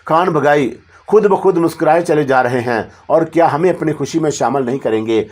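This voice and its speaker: A man reading a horror story aloud as scripted first-person narration, measured and dramatic. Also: a little high, a little mellow.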